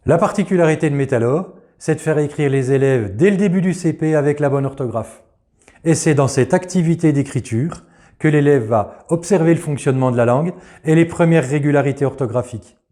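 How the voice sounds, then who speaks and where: A man giving a scripted narration for a teaching method presentation, clear and measured. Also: on the high side, mellow.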